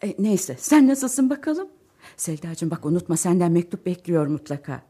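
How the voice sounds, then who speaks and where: A fretful, warm-hearted middle-aged mother in a radio drama. She talks chattily and emotionally, swinging between sighs and outbursts. Her pitch moves in wide, lively sweeps. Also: moderate pace. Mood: worried.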